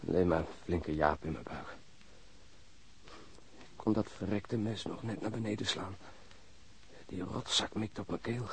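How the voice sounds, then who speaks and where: An actor playing a wounded policeman in a radio drama, speaking halting in strained, broken phrases with a husky, breathy voice. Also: sits low, a little hiss or hum. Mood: pained, indignant. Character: wounded policeman recounting being stabbed, shaken but admiring.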